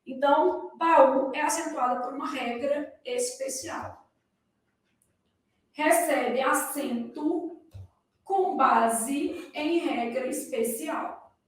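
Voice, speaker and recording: A woman's voice: sits high, extremely slow. A woman with a Brazilian accent who teaches grammar to exam candidates. She explains in a didactic way and keeps asking her class rhetorical questions. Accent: Brazilian Portuguese. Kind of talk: recorded lecture for exam candidates. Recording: echoey room, voice far from the mic.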